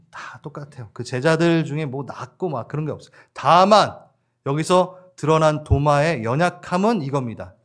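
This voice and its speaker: A man preaching a church sermon as pastor, lively and laughing along with the congregation while acting out voices. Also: medium pitch.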